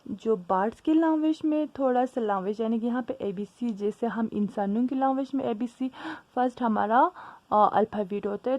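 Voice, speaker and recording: A woman's voice: a little high, dark tone, dry recording. A woman teacher, reading a story to her class and explaining each line in Hindi. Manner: reads English lines slowly, then explains them in Hindi. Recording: dull lo-fi recording.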